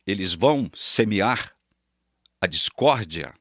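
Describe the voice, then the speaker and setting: A man preaching Reformed doctrine with strong emphasis, repeating key phrases. His pitch rises and falls widely from line to line. The sound is dry and close, with no room echo. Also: lively intonation, slow pace, fairly bright tone. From Brazil. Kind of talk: doctrinal teaching talk.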